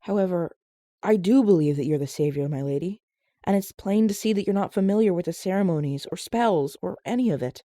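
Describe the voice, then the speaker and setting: A woman's voice: fairly low pitch, expressive, brisk, mellow, no room sound, clean studio sound, close to an everyday voice. A woman playing a timid, polite young attendant, hesitant and deferential, in a fantasy audio drama. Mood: deferential, uneasy.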